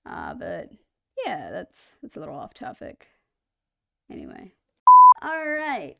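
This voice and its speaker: A woman with a slightly high voice hosts a casual reaction video. She talks in a chatty, rambling way. She stays upbeat and laughs at her own slips.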